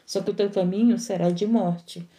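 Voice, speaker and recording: A woman's voice: medium pitch, fairly even intonation, normal speed, mellow. A woman missionary preaching a sermon on a live stream, repeating her points and calling out praise. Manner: repetitive, exclamatory preaching with acted complaints.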